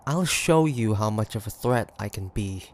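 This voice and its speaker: Male actor as proud monster hunter, audio drama, low gravelly voice, theatrical pauses, stubborn and cocky. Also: lively intonation. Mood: defiant, angry. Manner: theatrical, taunting, halting with sighs and pauses. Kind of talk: dramatic audio roleplay monologue.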